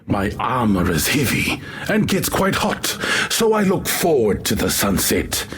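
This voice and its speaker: A man playing a genial armored tribal warrior who tells old tales theatrically in a husky voice, as game lore. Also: medium pitch, wildly swooping pitch, a little slow, fairly bright tone. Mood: calm, wry. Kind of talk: scripted in-character lore narration.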